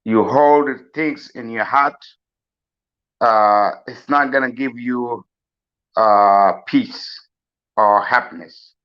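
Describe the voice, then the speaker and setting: A man from South Sudan giving a slow, earnest farewell address, pleading with many pauses. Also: mid-range voice. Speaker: mourner giving a eulogy. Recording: dull lo-fi recording.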